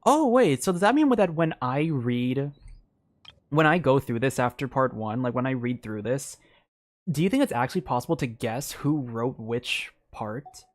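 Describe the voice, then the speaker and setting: A man's voice: medium pitch, lively intonation, normal speed, no echo, clean studio sound. A man streaming a game and chatting, rambling with lots of filler words. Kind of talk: live gameplay commentary.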